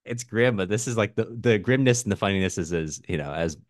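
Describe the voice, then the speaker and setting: A man co-hosting a podcast, discussing a book casually in a halting, informal way that often doubles back on itself. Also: lowish voice, animated, no echo, clean studio sound. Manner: halting, self-interrupting, informal. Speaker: podcast co-host.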